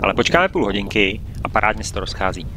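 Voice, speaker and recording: A man calmly narrating his own flight video in a steady, matter-of-fact voice-over. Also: on the low side, noisy background. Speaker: paraglider pilot and vlogger.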